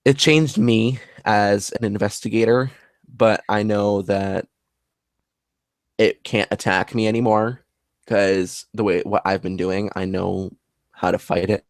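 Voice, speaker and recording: Man, paranormal investigator, earnest and rambling, deep voice, dry sound. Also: steady tone, a little slow, dry recording. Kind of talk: casual conversation.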